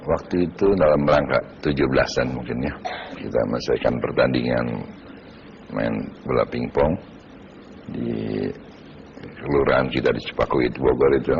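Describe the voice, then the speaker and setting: A man's voice: extremely low pitch, fairly even intonation, moderate pace, long pauses. A man guest recalling his near-death experience in plain, hesitant words. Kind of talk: personal testimony. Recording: dull lo-fi TV audio, faint noise.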